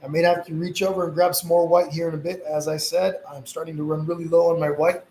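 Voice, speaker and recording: Higher-pitched man teaching painting, roomy echo. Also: flat delivery, quick pace, a little mellow. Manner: reassuring, easygoing. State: slight sniffles from a mild cold. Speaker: painting instructor hosting a live session. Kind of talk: casual live painting tutorial. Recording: roomy echo, some background noise.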